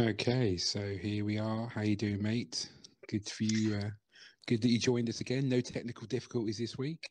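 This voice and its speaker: A soft-spoken man with an English accent, fairly low in pitch, with fairly even intonation. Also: moderate pace. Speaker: podcast host. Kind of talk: casual chat. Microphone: new equipment.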